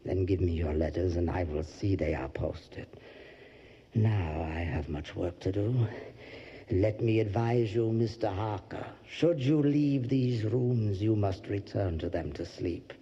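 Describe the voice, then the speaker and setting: Old vampire lord for audio drama, super dark voice, slow grand pauses, proud n quietly menacing. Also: male voice, sits low, husky, exaggerated voice. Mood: commanding, menacing. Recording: dull, muffled lo-fi audio.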